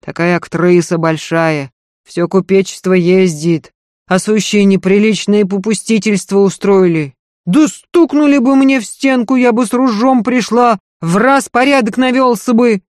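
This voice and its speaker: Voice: mid-range voice, a little slow, darkish tone, no echo, studio quality, pitched above the performer's own voice, close to an everyday voice. A narrator voicing a bossy old peasant servant woman who scolds and grumbles in a folksy, raised voice. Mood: scolding.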